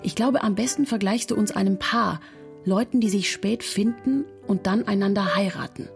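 A woman's voice: mid-range voice, moderate pace, creaky, soft background music, lightly acted. A woman playing a fond, witty nineteenth-century letter writer, reading expressively in an eloquent, intimate manner. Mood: devoted.

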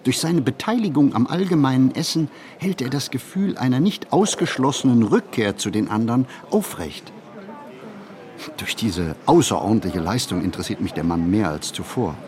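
Expressive man reading a literary monologue. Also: mid-range voice, moderate pace, slight background noise. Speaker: narrator of a literary radio play.

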